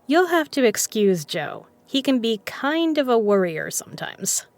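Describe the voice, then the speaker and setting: A woman's voice: fairly high pitch, big pitch swings, measured pace. A woman acting in an audio drama as a confident, teasing poker player who is frank and caring. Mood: assured, coaxing.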